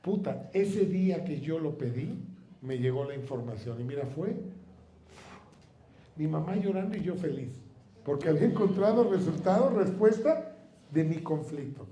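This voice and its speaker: A man in his thirties, a workshop speaker telling a personal story to his audience in an animated way, with casual swearing. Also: a little high, moderate pace, reverberant. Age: 30s. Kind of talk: seminar storytelling.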